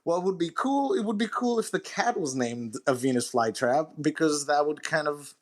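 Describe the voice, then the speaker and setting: A man's voice: a little high, expressive, moderate pace. A man speaking as a guest author in a casual, conversational interview.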